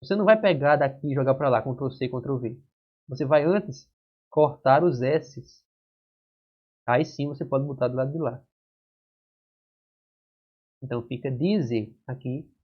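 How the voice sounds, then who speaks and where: Husky Brazilian man teaching grammar. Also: medium pitch, normal speed, long pauses. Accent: Brazilian Portuguese. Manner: explains step by step with frequent "certo?" and "né?" checks. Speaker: exam-prep Portuguese teacher. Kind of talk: whiteboard grammar lesson. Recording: dull lo-fi classroom recording.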